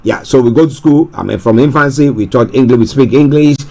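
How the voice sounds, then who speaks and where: A man's voice: mid-range voice, fairly quick, creaky, mellow. A man from Ghana, giving talk radio commentary in a rambling way, restarting and repeating himself. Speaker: radio presenter.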